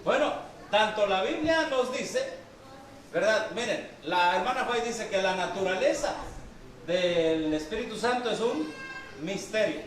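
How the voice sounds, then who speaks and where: A man's voice: high voice, animated, unhurried, fairly bright tone. A man preaching a sermon and reading from the Bible, quizzing the congregation with questions as he goes. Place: church hall. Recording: very echoey hall, from far off.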